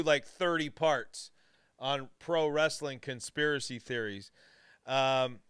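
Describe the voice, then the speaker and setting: A man's voice: a little high, pushed and bright, clean tone, no echo, studio quality. A man hosting a casual live show, introducing guests with upbeat enthusiasm. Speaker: host.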